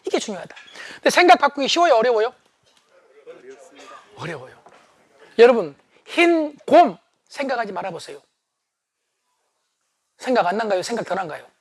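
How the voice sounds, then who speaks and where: A middle-aged man giving a humorous leadership lecture, animated and often shouting for emphasis. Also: very high-pitched, normal speed, pauses often, dry recording.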